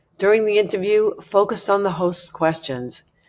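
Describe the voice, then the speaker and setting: Recorded very cleanly against a silent background, a woman speaks in a New York accent. Her pace is moderate and her pitch varies in an ordinary way. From New York City. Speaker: dietitian and media coach, podcast host. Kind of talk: solo podcast advice talk.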